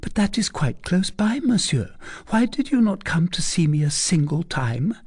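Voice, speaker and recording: A man voicing a young noblewoman who reproaches her suitor, pitched well up and sometimes whispered. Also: very animated, moderate pace, a little mellow, slightly rough, no room sound, heavily acted. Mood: reproachful.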